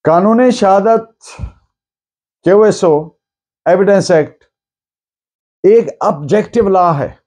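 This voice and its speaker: A Pakistani man speaks as a lecturer, in a fairly high-pitched but mellow voice. He goes very slowly and deliberately, explaining point by point and repeating for emphasis. English terms are mixed into his speech. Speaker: law lecturer.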